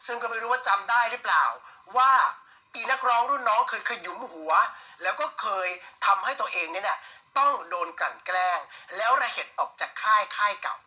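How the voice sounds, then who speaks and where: Man, broadcast storyteller, piercingly bright tone, deliberate pointed phrasing, presenter delivery. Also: high-pitched, poor audio.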